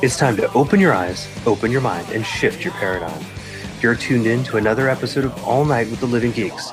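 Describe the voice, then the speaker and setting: A man hosting a casual podcast over a remote call, talking in a calm, soothing radio-style way. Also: lowish voice, no room sound. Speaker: podcast host.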